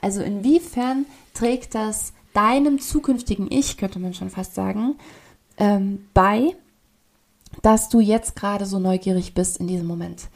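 A podcast co-host with a medium-pitched voice and measured pace chats casually, explaining points emphatically and tossing in rhetorical questions.

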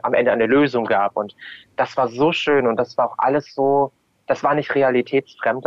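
A man speaking casually as an interview guest, halting and searching for words, with emphatic phrasing. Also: medium pitch, dry recording, highs cut off. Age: adult. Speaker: podcast guest, drag queen and DJ.

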